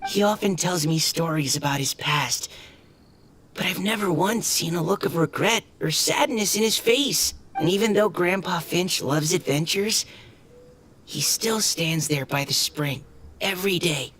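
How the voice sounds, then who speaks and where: A woman's voice: fairly low pitch, measured pace, a bit bright, slight background noise. A woman voicing an earnest, eager young male mapmaker who speaks sincerely and encouragingly in video game dialogue.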